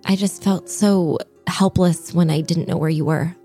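A woman plays her character in a calm, reassuring way. Her voice is low and mellow, and soft music plays underneath. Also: unhurried. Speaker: player. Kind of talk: in-character role-play.

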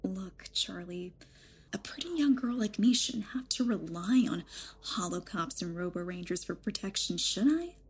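A woman's voice: mid-range voice, expressive, moderate pace, slightly rough. An actress in an audio drama playing a rejuvenated mother in a young woman's body, sardonic and defiant. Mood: sly, persuasive. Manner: sardonic, pointed.

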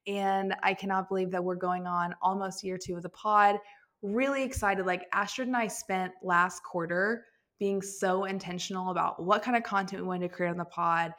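A woman from the American Midwest co-hosts a lifestyle podcast. She sounds bubbly and enthusiastic at a middle pitch. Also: steady tone, normal speed, a bit bright. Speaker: podcast co-host. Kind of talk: casual chat.

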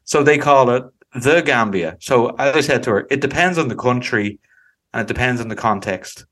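A man's voice: medium pitch, moderate pace, fairly bright tone. A young Irish man co-hosting a podcast, bantering in a dry, teasing way. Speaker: podcast co-host. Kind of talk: casual chat.

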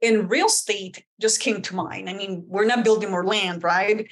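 A woman from Colombia whose first language is Spanish speaks as a guest on a podcast. She tells her story in a candid, chatty way with plenty of fillers. Her voice sits at an ordinary mid pitch. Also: normal speed. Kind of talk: casual interview storytelling.

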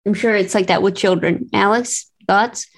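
A woman with a mid-range voice hosts a podcast in casual, chatty conversation. She tells everyday stories in an animated, talkative way. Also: mid-range voice, moderate pace, creaky. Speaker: podcast host. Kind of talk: casual chat.

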